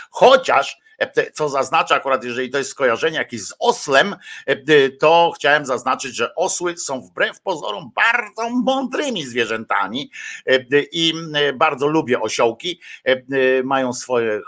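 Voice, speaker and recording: A man's voice: mid-range voice, sharp tone. A man giving casual, rambling live-stream commentary, with lots of hesitations and crude slangy asides.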